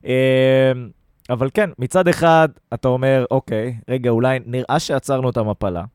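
A man's voice: mid-range voice, steady tone, a little mellow, smooth, no room sound, clean studio sound. A man hosting a casual football fan podcast, talking conversationally and weighing things up as he goes. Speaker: podcast host.

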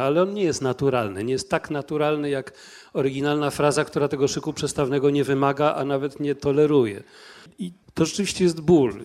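A man's voice: a little high, a little mellow. A man, a translator on a discussion panel, answering questions thoughtfully with restarts and fillers.

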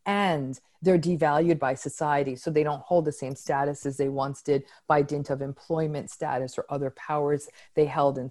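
Low-voiced woman, frank psychologist guest. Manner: articulate, frank, lively emphasis. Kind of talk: interview answer.

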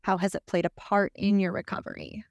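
A woman's voice: medium pitch, level tone, brisk, gravelly, no room sound, dull audio. A woman hosting a podcast conversation, introducing guests and putting questions to them. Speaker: podcast host.

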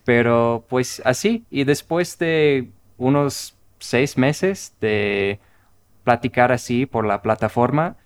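A middle-aged man from Minnesota with an American accent, speaking Spanish as a learner in a relaxed, thoughtful way. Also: mid-range voice, smooth. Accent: American English. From Minnesota, United States. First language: English. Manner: unhurried, thoughtful, restarts words. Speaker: guest. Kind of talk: casual conversation.

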